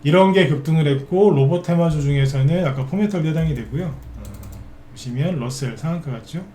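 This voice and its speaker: A man's voice: on the high side, brisk, mellow, echoey room, a little hiss or hum. A man giving live stock market commentary, chatty, often asking tag questions and answering them himself.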